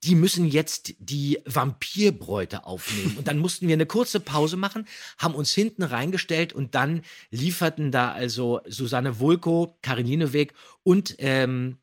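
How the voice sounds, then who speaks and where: Chatty man telling anecdotes, slightly husky. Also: on the high side. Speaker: podcast host. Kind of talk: casual podcast talk with anecdotes and background facts.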